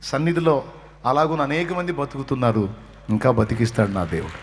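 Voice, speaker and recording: A man's voice: mid-range voice, brisk, in a large hall, slight background noise. A man preaching a sermon as a pastor, emphatic and repetitive, often acting out a comforting parent's words. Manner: emphatic, repeats phrases, voices comforting parent. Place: church.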